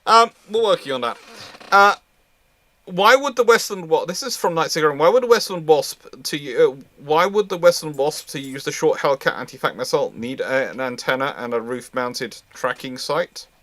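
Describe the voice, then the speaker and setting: A man's voice: on the high side, animated, normal speed, a bit bright. A man hosting a casual live question-and-answer talk, hesitant and often restarting his phrases. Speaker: host of a live naval history question-and-answer show.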